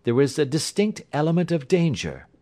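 A man voicing a sharp-minded male detective, speaking in a crisp, explanatory manner. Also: on the high side, big pitch swings, normal speed, pitched above the performer's own voice. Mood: intense. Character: Holmes, sharp reasoning male detective, adult.

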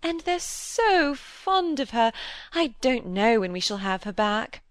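A woman reads aloud in an audiobook character voice, playing a vain, chattering middle-aged stepmother who gushes and fusses. Her fairly high, sing-song voice is pushed up, with a clear, resonant tone. The mood is gushing, the manner fussy and quick to dismiss, and the studio-quality recording has no echo.

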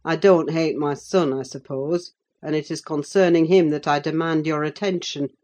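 A woman voicing a cold, scornful middle-aged man who speaks slowly and deliberately in an audiobook. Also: low voice, fairly even intonation, mellow, lightly acted. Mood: menacing. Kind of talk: audiobook character reading.

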